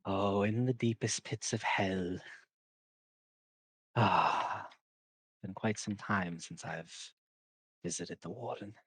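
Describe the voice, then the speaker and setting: A man's voice: lowish voice, slow, pauses often, fairly bright tone, breathy edge, dry recording, exaggerated voice. A man voicing a sly male devil who relishes talk of hell's prisons, in a tabletop game. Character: grinning male devil with ties to hell.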